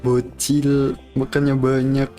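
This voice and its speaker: An Indonesian-accented game streamer, sex unclear, reacts casually in short slangy asides. The voice has a middling pitch, with faint music behind it. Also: completely flat delivery, unhurried, dark tone. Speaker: streamer playing a video game.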